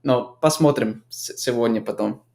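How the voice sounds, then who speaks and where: A man's voice: mid-range voice, gravelly, a little mellow. Young man, chatty guest with restarts. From United States. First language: English. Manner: talks in quick bursts with many restarts. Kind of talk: casual conversational chat.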